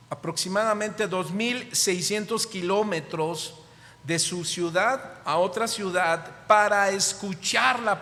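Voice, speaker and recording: A man's voice: high-pitched, pushed and bright. A man with a Mexican Spanish accent preaching a sermon as pastor, asking the congregation rhetorical questions with emphatic rises. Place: church hall. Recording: long church hall reverb.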